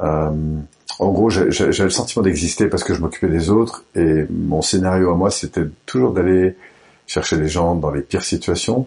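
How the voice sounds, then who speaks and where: A man speaks at a very deep, low pitch in a dark, mellow tone. His pace is moderate, his loudness very even, and his pitch variation ordinary. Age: 50s. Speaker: NLP trainer and speaker. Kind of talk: interview.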